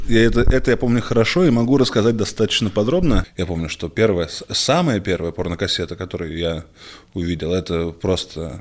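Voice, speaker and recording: With lively intonation and a fairly low pitch, a man speaks in an ordinary speaking voice on a very clean recording with a silent background. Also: fairly quick pace. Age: 30s. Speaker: stand-up comedian. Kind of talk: casual chat.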